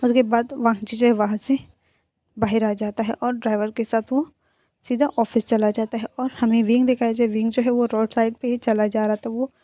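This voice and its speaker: A woman's voice: on the high side, little pitch movement, moderate pace, mellow, no echo. A woman narrating a fan fiction story, acting out the characters' lines with feeling. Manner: reads all characters' lines herself, emotional. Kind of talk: storytelling narration with acted dialogue.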